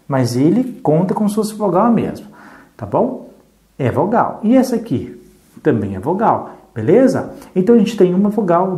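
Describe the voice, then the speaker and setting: A Brazilian teacher giving a slow, patient adult literacy lesson, counting letters aloud and checking in often. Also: medium pitch, mellow. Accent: Brazilian Portuguese.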